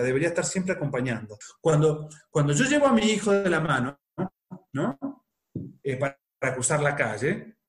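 An Argentine man in his forties speaks about parenting with a reflective, explaining manner. His voice sits high for a man, and he keeps tagging his points with little rhetorical questions. The room around him rings with echo. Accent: Argentine Spanish. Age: 40s. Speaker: psychologist guest. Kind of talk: conversational talk on parenting.

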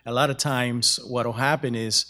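Male pastor guest, fairly low voice, careful and explanatory. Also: steady tone, pushed and bright. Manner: measured, explanatory. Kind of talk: panel discussion.

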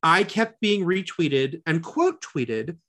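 A man's voice: a little high, big pitch swings, slow, a bit bright. A man co-hosting a podcast in casual chat, chatty and full of fillers and restarts. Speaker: podcast co-host.

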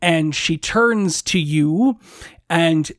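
A game master narrating a streamed tabletop game, descriptive and playful with quick asides. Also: mid-range voice, no room sound, clean studio sound.

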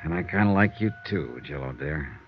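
A man's voice: extremely low pitch, expressive, moderate pace. An actor playing a tough, wry male insurance investigator in a 1950s radio drama, narrating and talking in a dry, matter-of-fact way. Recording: dull old radio broadcast with faint hiss.

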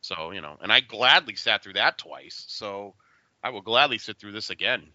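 Very bright, forceful male podcast co-host. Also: lowish voice, expressive, normal speed, no room sound, muffled recording. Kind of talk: casual banter.

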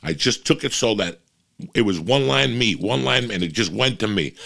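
Gravelly New Jersey man, profane and rambling. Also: mid-range voice, lively intonation, moderate pace, bright, forceful tone. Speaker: podcast host. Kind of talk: casual chat.

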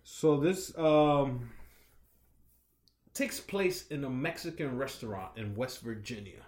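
A man co-hosting a casual, profane podcast chat, telling stories in an animated way. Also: mid-range voice, takes it slowly, roomy sound. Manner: animated storyteller, acts out quotes with shouty put-on voices. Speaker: podcast co-host.

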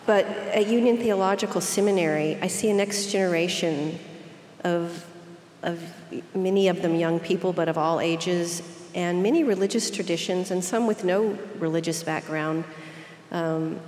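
A woman from Oklahoma with an Okie accent, speaking earnestly and deliberately as a guest in a reflective interview. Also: lowish voice, darkish tone. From Oklahoma, United States. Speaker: interview guest, seminary leader. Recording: echoey hall, clear background noise.

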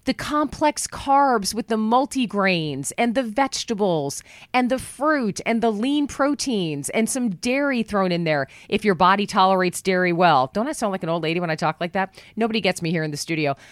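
A woman hosting a talk radio show from a studio, chatting in a folksy, upbeat way, her voice worn low after travel. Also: lively intonation, moderate pace, dry recording. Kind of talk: talk radio monologue with live ad reads. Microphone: studio microphone.

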